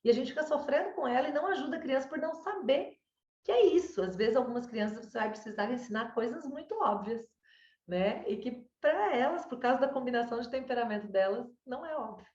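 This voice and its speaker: A woman's voice: on the high side, lively intonation, fast talker. A woman with a Brazilian Portuguese accent giving a parent advice, explaining patiently and checking in with "né?" and "sabe?". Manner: warm explanatory, lots of "né?" and "sabe?". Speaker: child development consultant. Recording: roomy, distant, dull mic.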